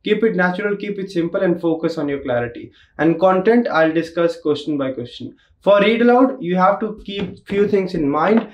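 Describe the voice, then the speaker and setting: Man, 30s, Indian accent, tutor voice, a touch high, steady and reassuring. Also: moderate pace, highs cut off. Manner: steady, reassuring, repeats key points. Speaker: test prep tutor. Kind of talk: instructional talk to camera. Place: small home studio office.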